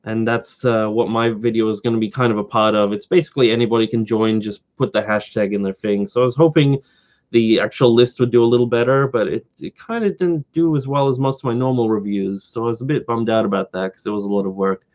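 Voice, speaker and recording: A man hosting a casual live stream, slightly hoarse from talking all day, rambling eagerly as he answers viewers. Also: lowish voice, fairly even intonation, fast talker, darkish tone, dull audio. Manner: rambling, eager collector fan.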